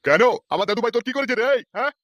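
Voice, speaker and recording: Man playing a rapid-fire cranky old cartoon grandfather. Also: very high-pitched, expressive, bright, forceful tone, no echo, dull audio, full character voice. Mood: angry scolding. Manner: scolding, sarcastic. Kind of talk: comic cartoon dialogue.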